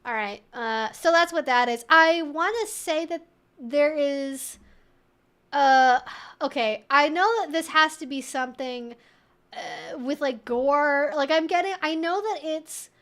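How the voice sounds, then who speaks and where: A woman's voice: high-pitched, takes it slowly, a bit bright. A woman hosting a casual livestream, chatting to viewers in a playful, wry, mock-serious way and often giggling as she talks. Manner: giggles often while talking. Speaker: livestream host.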